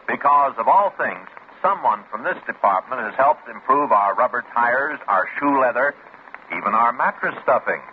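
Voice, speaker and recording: A man reading a folksy public-service announcement on an old radio broadcast. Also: mid-range voice. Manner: chatty, folksy. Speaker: commercial announcer. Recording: tinny old radio broadcast with faint hiss.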